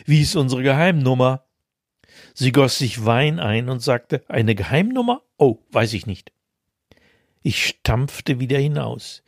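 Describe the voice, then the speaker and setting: A man's voice: mid-range voice, dry recording. A man co-hosting a podcast, reading his own humorous column with dry, self-mocking storytelling and then chatting casually. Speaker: podcast co-host.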